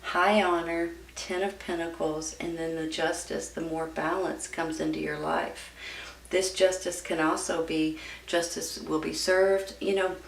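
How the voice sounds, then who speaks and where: A woman's voice: on the low side, level tone, measured pace, vocal fry. A woman giving a casual tarot reading to viewers in a folksy, encouraging manner. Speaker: tarot reader. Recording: roomy, distant mic with background noise.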